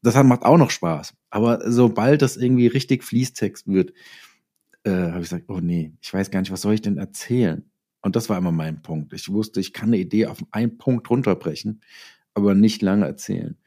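A man's voice: fairly low pitch, warm tone. A middle-aged man speaking as an interview guest, telling things reflectively and often restarting his sentences as he goes. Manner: halting, self-correcting, reflective storytelling. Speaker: interview guest, audio drama writer and author. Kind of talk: conversational interview.

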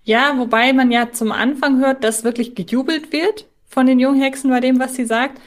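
A woman's voice: sits high, fairly even intonation, normal speed. A woman co-hosting a podcast, chatting casually and reflectively, thinking aloud as she discusses. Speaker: podcast co-host.

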